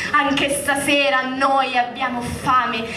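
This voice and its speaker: Very slow female speech over noticeable background noise. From Saronno, Lombardy, Italy. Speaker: slam poet. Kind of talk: poetry slam performance. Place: hall. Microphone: handheld.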